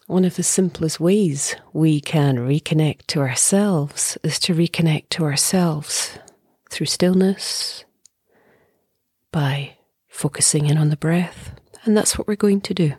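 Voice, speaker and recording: A middle-aged woman leading a guided meditation as a teacher, speaking softly and breathily in a calm, gentle way with long pauses. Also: low voice, dry recording, clean studio sound. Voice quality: soft, breathy.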